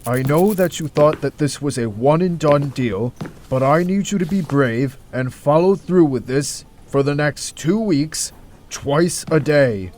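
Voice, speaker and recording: A man's voice: on the high side, lively intonation, a little slow, darkish tone, slight background noise. Man playing an earnest, overworked hospital doctor. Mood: patient, pleading. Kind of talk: audio drama acting.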